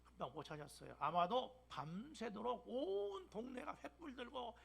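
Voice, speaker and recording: A gravelly, high-pitched older man in his sixties with a Jeolla dialect, preaching from the pulpit of a church. He talks in an emphatic way that swings from loud bursts down to soft whispers. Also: animated, normal speed. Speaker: pastor. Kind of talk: sermon. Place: church sanctuary.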